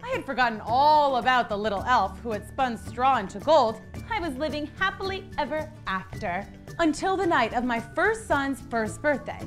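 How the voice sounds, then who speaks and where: A woman's voice: high voice, expressive, normal speed. A woman hosting children's stories, narrating a fairytale in the first person with playful, comic, theatrical asides. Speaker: children's story host. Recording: music behind the voice.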